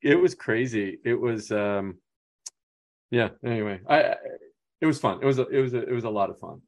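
A man's voice: mid-range voice, moderate pace. A male podcast co-host with an ordinary mid-range voice who rambles through anecdotes, full of fillers and little quoted lines. His delivery is casual and chatty. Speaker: podcast co-host, basketball coach. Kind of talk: casual storytelling chat.

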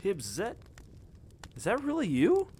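A man's voice: high-pitched, wildly swooping pitch, normal speed, darkish tone, a little hiss or hum. An actor voicing a brash, swearing young male camper full of slang. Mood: incredulous.

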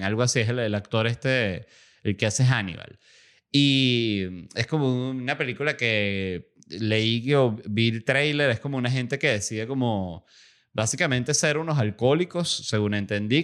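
Smooth-voiced rambling male podcast host. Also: medium pitch, a bit bright. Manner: rambling, with many fillers and self-corrections. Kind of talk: casual comedic monologue.

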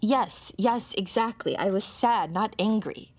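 An actress playing a frantic, grieving mother who stammers and rises to desperate shouts under police questioning. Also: mid-range voice, a little slow, close to an everyday voice. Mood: anxious.

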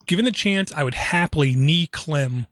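A man's voice: a little high, no echo. Opinionated man on a dry mic. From Ireland. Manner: animated, opinionated, fast bursts with fillers. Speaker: podcast co-host. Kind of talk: casual tech podcast chat.

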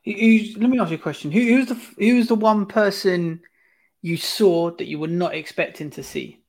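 Podcast host guy, fairly high voice, jokey, keeps the chat moving. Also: moderate pace. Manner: teasing, steering the discussion. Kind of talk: casual chat.

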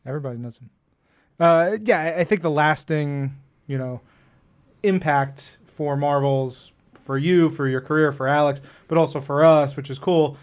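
Man, fairly high voice, interview host, chatty, effusive, casual phrasing. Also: moderate pace. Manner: enthusiastic, effusive.

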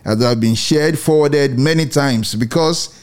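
A middle-aged man hosting a Christian radio commentary show, speaking in a measured, earnest way and often repeating his phrases. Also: medium pitch.

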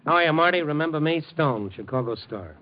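An actor playing a hard-boiled newspaper reporter in a 1950s radio drama, talking in a clipped, tough manner. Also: male voice, a little high, animated, fast talker, slight background noise, lightly acted. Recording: dull old radio broadcast with music.

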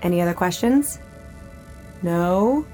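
Female AI hologram guide, lower voice, cheerful, patient, audio drama, music underneath. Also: lively intonation, slow, warm tone. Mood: upbeat, welcoming. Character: friendly holographic female AI assistant guiding a tour.

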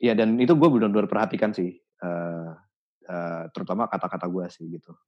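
A man in a casual podcast chat, explaining his advice thoughtfully with many pauses and restarts. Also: low voice, muffled recording. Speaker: podcast guest.

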